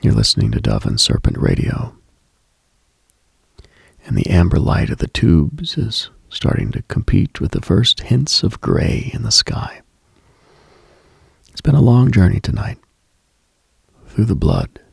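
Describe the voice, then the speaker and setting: A man hosting a late-night spiritual radio show, speaking in a hushed, breathy, reflective monologue. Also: low voice, no echo, clean studio sound.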